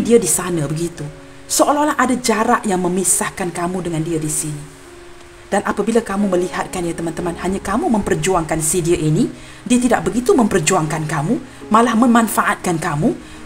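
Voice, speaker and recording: A young woman from Malaysia with a Malaysian Malay accent, giving a general tarot reading to her viewers in an earnest, apologetic way. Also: mid-range voice. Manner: earnest and apologetic, addresses viewers warmly as friends. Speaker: tarot reader.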